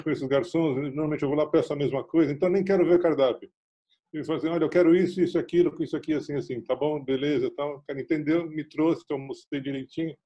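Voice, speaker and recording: A physician with a São Paulo accent explaining hearing loss and telling a story, acting out the dialogue. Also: male voice, fairly high pitch, mellow, muffled recording. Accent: São Paulo Brazilian Portuguese. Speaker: physician guest. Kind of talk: explanatory casual chat.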